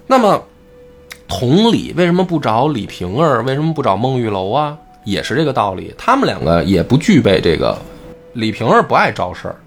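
A man hosting a casual talk show, explaining a classic novel and acting out the quoted characters. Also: medium pitch. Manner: animated, acts out quoted characters. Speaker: host.

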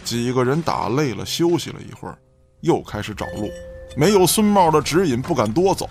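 A man's voice: medium pitch, big pitch swings, fairly quick, darkish tone, soft background music. A man narrating a scripted story as the storyteller of a Chinese radio drama.

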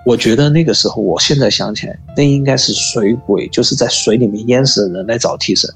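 Gravelly guy telling his ghost story on a call, stops and repeats himself a lot, soft music under it. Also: medium pitch, poor audio. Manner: halting, repeats words, slow and earnest. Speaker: caller.

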